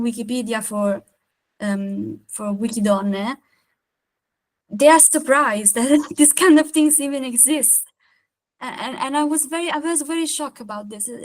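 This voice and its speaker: Speaking with a strong Italian accent, a woman uses a high pitch and ordinary pitch variation at a fairly slow pace. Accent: heavy Italian. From Italy. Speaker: university student intern. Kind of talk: seminar discussion. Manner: halting.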